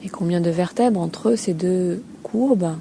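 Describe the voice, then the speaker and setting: This unscripted relaxation lesson comes from a Feldenkrais teacher with a lowish female voice and vocal fry, who guides a body scan in a calm, gentle way with hesitant pauses between short phrases. She is outdoors by a calm sea, with constant seaside ambience and a few gulls audible.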